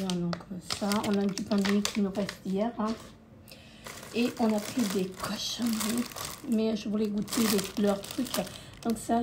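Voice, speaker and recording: A woman vlogger talks through her holiday shopping at an even, middling pitch. She hesitates a lot, fills gaps with filler sounds and slips into soft asides. Packaging crinkles loudly close to the mic. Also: noisy background. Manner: hesitant, many filler sounds, repeats "comme ceci". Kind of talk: casual holiday haul vlog. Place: indoors at a holiday rental near the beach.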